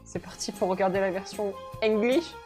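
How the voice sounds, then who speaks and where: Woman doing casual reaction commentary, very expressive and slangy, exclaims a lot, music in the bg. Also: medium pitch, normal speed. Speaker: reaction video host.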